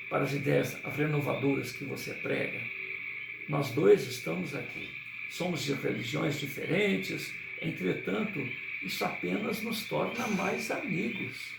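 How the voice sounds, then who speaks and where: A man reading a gentle encouraging pastor. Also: a little high, vocal fry, reverberant, recorded from a distance, noisy background, full character voice.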